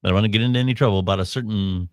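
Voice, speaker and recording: A man's voice: lowish voice, very fast, no echo, studio quality. A man hosting a live podcast, giving opinionated commentary in a rambling way with frequent restarts. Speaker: podcast host.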